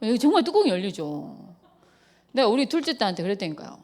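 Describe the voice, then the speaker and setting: A woman's voice: fairly high pitch, quick pace. A middle-aged woman, a pastor's wife, giving a lecture at a church retreat, acting out quarrels and laughing often. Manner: lively, acts out quarrels in quoted voices, laughs often.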